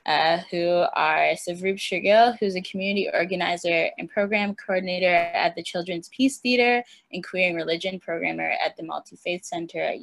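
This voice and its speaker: A woman moderating an online panel over a video call, halting, with many ums and likes. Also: fairly low pitch, creaky.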